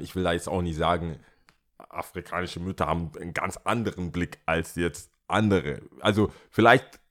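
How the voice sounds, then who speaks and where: Casting: young man, lowish voice, animated slangy storyteller in a casual chat.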